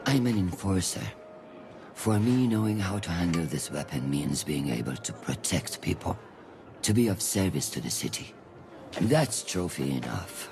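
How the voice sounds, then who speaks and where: An actor playing a proud, steady veteran city enforcer who speaks in a measured, gently probing way. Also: male voice, sits low, noisy background. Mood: earnest. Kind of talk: animated series dialogue.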